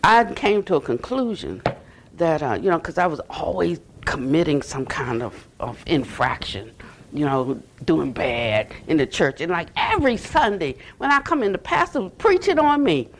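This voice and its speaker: An older woman teaching at a retreat center, telling stories in an animated, conversational way, full of restarts and "you know". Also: deep voice, moderate pace, a little hiss or hum. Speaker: Buddhist teacher. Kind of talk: dharma talk. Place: retreat center meditation hall.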